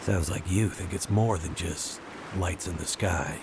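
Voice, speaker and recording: Deep-voiced, dry survivor hero, noisy backdrop. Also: male voice, creaky. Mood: questioning. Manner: dry, measured, skeptical. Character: world-weary, skeptical male survivor hero, dry and steady. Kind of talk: naturalistic video game acting.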